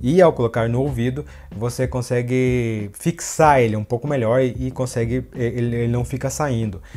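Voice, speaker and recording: There is noticeable background noise. Pitch varies in an ordinary way. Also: man. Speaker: headphone reviewer. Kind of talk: product review. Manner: louder, more energetic delivery after re-recording; hesitant, many fillers.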